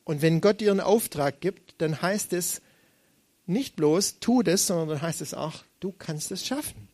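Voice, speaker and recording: A young man delivers a sermon in a chatty, animated way, often slipping into quoted voices. His voice sits a bit high for a man. The recording is dry and close, with almost no room sound. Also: measured pace, no room sound. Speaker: preacher.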